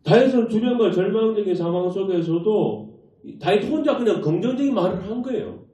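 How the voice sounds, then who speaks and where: A man preaching a sermon as pastor, lively and full of rhetorical questions to his congregation, recorded from a distance in a church. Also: high-pitched, a little fast. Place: church sanctuary. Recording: echoey church hall, distant mic, dull lo-fi.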